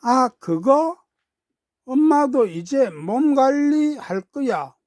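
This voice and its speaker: A woman playing a gentle mother in a children's story, affectionate and patient as she explains her new resolve. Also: high-pitched, big pitch swings, takes it slowly, dry recording, clean studio sound, voice pushed up, exaggerated voice. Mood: resolved. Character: gentle mother newly resolved to get in shape.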